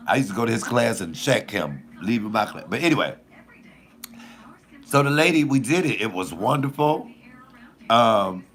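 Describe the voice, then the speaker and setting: A man with a deep voice telling a profane, animated comic story in casual storytelling style, laughing at his own jokes. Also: creaky. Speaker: comedian host.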